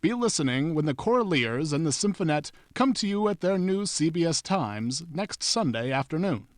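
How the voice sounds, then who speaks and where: A man's voice: on the high side, sing-song, normal speed, a little hiss or hum. A man reading a scripted announcement in the formal, polished style of a 1940s radio announcer.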